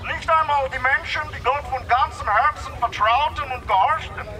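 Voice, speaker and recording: An actor playing an earnest Catholic priest delivering a solemn, declamatory sermon in a radio drama. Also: male voice, extremely high pitch, moderate pace, distant mic. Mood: solemn, admonishing. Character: earnest African Catholic priest preaching forgiveness to villagers.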